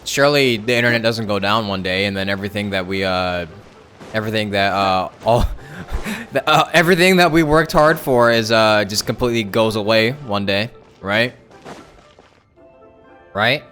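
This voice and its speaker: Low-pitched man streaming a game. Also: normal speed, a bit bright, faint music behind. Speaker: livestreamer. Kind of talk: casual game-stream commentary.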